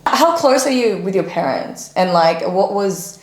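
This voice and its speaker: A young woman from Japan hosting a podcast, asking quick follow-up questions in casual chat. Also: mid-range voice, lively intonation. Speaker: podcast host. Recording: echoey room.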